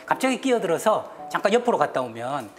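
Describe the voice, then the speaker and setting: A woman giving a lively talk show lecture, acting out little scenes and having the panel repeat her lines. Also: sits low, fast. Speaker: guest lecturer on stress.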